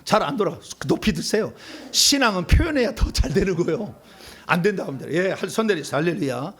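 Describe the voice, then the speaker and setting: A Korean man, a pastor, teaching a charismatic prayer meeting with animated, emphatic, folksy explanations. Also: fairly high pitch, slightly rough. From South Korea.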